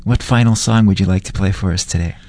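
A man's voice: deep voice, fast, darkish tone, no echo. A man hosting a casual radio interview, asking friendly, enthusiastic questions. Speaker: radio show host.

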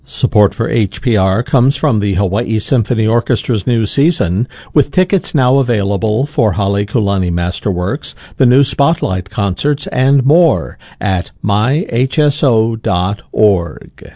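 Low, mellow male sponsor read. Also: expressive, a little slow, few pauses, dry recording. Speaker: sponsor announcer.

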